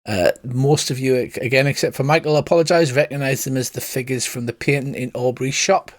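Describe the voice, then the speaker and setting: A man's voice: medium pitch, fairly quick, dry recording. Man running a tabletop game, conversational. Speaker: game master. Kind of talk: narrating a tabletop game, casual.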